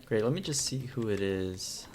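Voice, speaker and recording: A man's voice: lowish voice, lively intonation, moderate pace, close to an everyday voice. A man playing an obliging hospital front-desk assistant in a fiction podcast.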